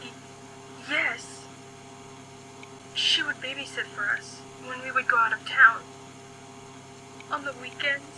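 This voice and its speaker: A woman's voice: high voice, steady tone, takes it slowly, long pauses, pushed and bright, slight background noise, exaggerated voice, rough recording. A woman playing an anxious, distraught mother in an audio drama, hesitant and pleading in manner. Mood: shaken, hesitant. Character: distraught, anxious mother whose home was attacked.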